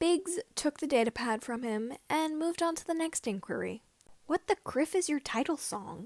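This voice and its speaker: A woman's voice with very wide pitch swings, dry and close with no echo, in a very clean recording with a silent background. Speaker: podfic reader. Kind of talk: fan fiction audiobook reading. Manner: plain narration, few character voices, somewhat halting.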